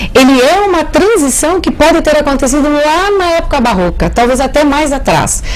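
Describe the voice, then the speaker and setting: Amid noticeable background noise and audible room echo, a woman with a southern Brazilian accent speaks at a moderate pace, her high-pitched voice carrying lively intonation. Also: hardly any pauses, very even loudness. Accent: gaúcho accent, kept. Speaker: linguist and newspaper columnist. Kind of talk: TV interview.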